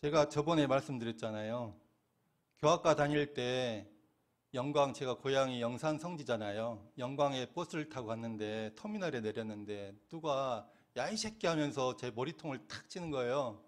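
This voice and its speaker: Male minister, middle-aged, mid-pitched. Delivers a questioning, conversational sermon. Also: normal speed. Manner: asks questions and answers them himself, laughing now and then. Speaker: Won Buddhist minister.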